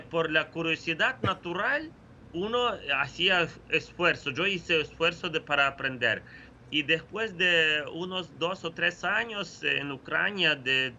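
A Ukrainian parish priest in his forties speaking Spanish as a second language with a Ukrainian accent, answering slowly with many pauses and fillers over a video call. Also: fairly high pitch, sharp tone, dull audio, slight background noise. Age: 40s. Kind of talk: remote interview answers.

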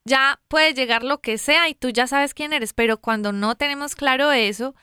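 Bright, crisp-voiced woman host. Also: high-pitched, normal speed, no room sound, studio quality. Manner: lively, agrees often, uses colloquial sayings. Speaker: interview host. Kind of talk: faith talk, affirming.

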